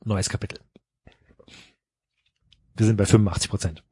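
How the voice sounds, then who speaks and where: Husky man reading a novel with playful voices. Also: fairly low pitch, steady tone, moderate pace, dark tone, no room sound, studio quality. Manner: reads with playful voices for the characters, breaks off to joke and laugh. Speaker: podcast co-host reading a novel aloud. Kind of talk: casual chat with dramatized reading.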